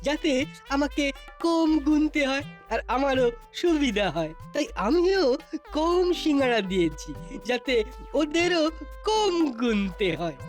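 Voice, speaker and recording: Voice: high voice, very animated, slow, soft background music, exaggerated voice. An actor playing a sly, simple-minded snack cook, hesitant and self-justifying, in a comedy cartoon. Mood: sheepish.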